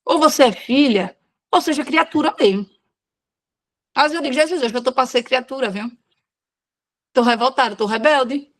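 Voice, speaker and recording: A woman's voice: high voice, moderate pace, long pauses. A woman giving an informal devotional talk to women, speaking frankly and conversationally with everyday slang.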